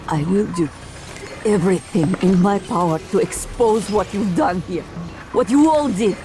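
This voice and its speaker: A woman's voice: mid-range voice, normal speed, music in the background, close to an everyday voice, poor audio. An actress playing a furious, defiant woman with a gun in a video game, accusing and threatening.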